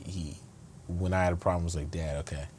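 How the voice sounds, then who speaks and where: A man's voice: sits low, little pitch movement, brisk, darkish tone, slight background noise. A man speaking as an interview guest, earnest and reflective, often restarting his sentences. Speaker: guest, state attorney. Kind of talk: conversational interview.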